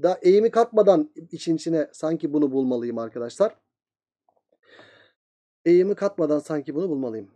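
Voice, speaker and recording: A male teacher rattles through a geometry review at a breakneck pace. His voice sits high for a man but has a mellow, soft-edged tone. He keeps asking the students' questions himself and then answering them. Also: animated. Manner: very fast talker, voicing student questions himself. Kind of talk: geometry lesson.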